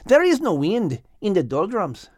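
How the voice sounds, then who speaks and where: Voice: mid-range voice, huge pitch swings, a little slow, dry recording, clean studio sound, voice pushed up. A man voicing an earnest, grateful little male hummingbird telling of his travels with wonder in a storybook tale. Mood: awed, grateful.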